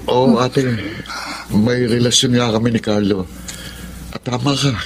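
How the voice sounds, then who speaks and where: A man's voice: mid-range voice, fairly even intonation, measured pace, slight background noise, natural voice. An actor playing an earnest, apologetic young gay man, a younger brother, in a Tagalog radio drama. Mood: earnest, contrite. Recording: loud music covering the voice.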